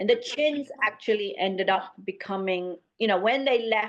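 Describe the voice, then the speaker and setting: With a London accent, a woman talks at a moderate pace over a quiet background. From London, England. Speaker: filmmaker and music journalist. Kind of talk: interview.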